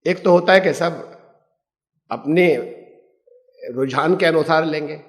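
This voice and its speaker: A man's voice: a little high, steady tone. A man teaching a Quran lesson as an Islamic scholar, explaining patiently and asking rhetorical questions. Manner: explanatory, poses rhetorical questions, mixes English terms. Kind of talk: Quran lecture. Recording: echoey hall reverb.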